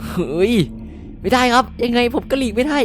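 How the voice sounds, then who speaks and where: A woman's voice: a little high, brisk, over music, pitched above the performer's own voice, close to an everyday voice. Brief: woman voicing a jittery, good-hearted teen boy, polite and stammering. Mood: flustered. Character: nervous kind-hearted teenage boy hero. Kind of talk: game cartoon voice acting.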